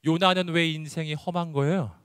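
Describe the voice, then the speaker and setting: Male pastor, middle-aged, high bright preaching voice, rhetorical and emphatic. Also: fairly even intonation, a little fast, smooth, no echo. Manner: acts out quoted prayers in a high voice. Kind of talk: sermon. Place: church hall.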